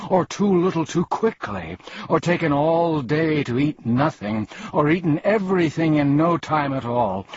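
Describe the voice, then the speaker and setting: A man voicing a pompous, excitable, long-winded humbug bug in a storybook, with florid, wheezy speech. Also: a little high, highs cut off, pitched above the performer's own voice. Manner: florid, repetitive wordplay. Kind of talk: storybook character reading.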